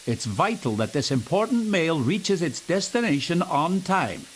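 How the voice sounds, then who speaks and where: A man's voice: fairly high pitch, sing-song, a little slow, a little hiss or hum. A man voicing a polite, earnest railway station master in a children's storybook. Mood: concerned.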